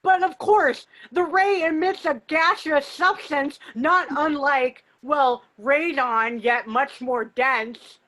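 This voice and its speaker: A woman's voice: high-pitched, slow, few pauses, fairly bright tone, rough recording. A woman voicing a pedantic, self-important science-fiction nerd in an amateur table read, with pompous delivery.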